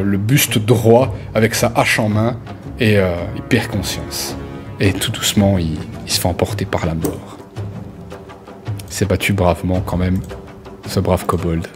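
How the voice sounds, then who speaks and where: A man with a fairly low voice runs a tabletop role-playing game. He improvises descriptive narration, circling back over phrases as he searches for words. Soft music plays behind him. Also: measured pace, pauses often. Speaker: game master. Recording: background music under the voice.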